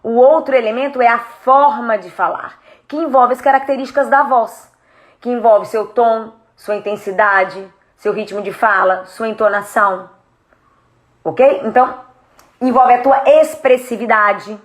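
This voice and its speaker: Brazilian speech therapist lady, kinda high voice, talks right to camera and asks you stuff, acts out tones to show how it sounds. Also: measured pace. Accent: Brazilian Portuguese. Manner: animated, explains with spoken demos of tone; addresses viewers directly with questions. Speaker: speech therapist and communication coach. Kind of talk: direct-to-camera lesson.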